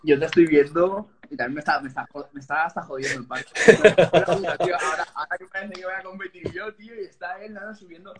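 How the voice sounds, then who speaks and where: A young man in his twenties from Spain hosting a live video call chat, excitable and repeating himself as he talks. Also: sits high, a crowd in the background. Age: 20s. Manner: quick, excitable, repeats words. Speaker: channel host. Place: small room indoors. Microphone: webcam on a video call.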